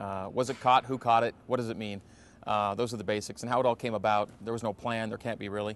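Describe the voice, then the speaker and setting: A man is speaking. His pace is fairly quick. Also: dry sound with no echo. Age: 40s. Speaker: sports play-by-play radio broadcaster. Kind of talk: interview. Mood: relaxed, reminiscing, smiling. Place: hall. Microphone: lapel.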